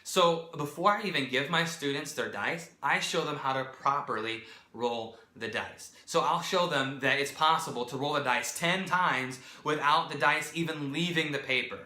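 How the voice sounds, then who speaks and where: A man who works as a teacher, clearly and methodically explaining how to give classroom directions. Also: on the high side, moderate pace, few pauses, pushed and bright, roomy sound. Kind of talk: instructional talk to new teachers.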